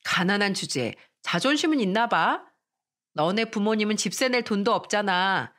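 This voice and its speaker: A woman's voice: mid-range voice, lively intonation, moderate pace, a bit bright, natural voice. A woman voicing a spoiled, mocking schoolgirl bully in a radio drama reading. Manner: sneering, mocking.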